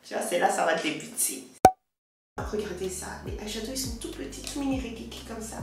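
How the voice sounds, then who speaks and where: A woman's voice: a little high, brisk, over loud music. A young woman chatting casually to her viewers while doing her makeup, slangy and direct. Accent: French with English loanwords. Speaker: beauty vlogger. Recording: echoey room from a distant mic.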